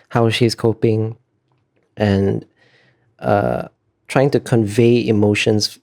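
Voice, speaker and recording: A man's voice: on the low side, creaky, darkish tone. A man being interviewed as an artist, talking casually and thoughtfully, often hesitating as he searches for words. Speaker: interview guest, concept artist.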